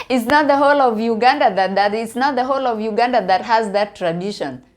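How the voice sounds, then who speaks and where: A woman from Kenya with a Kenyan accent, talking casually to viewers about her opinions in a halting way, repeating words for emphasis. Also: fairly high pitch. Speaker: online video commentator.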